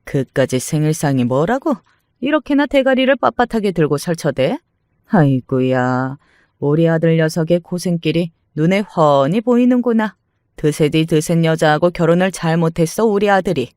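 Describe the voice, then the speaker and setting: A man voicing a domineering, scornful older mother-in-law, scolding in a shrill, contemptuous way. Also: lively intonation, normal speed, darkish tone, smooth, dry recording, studio quality, natural voice. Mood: indignant. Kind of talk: dramatized story reading.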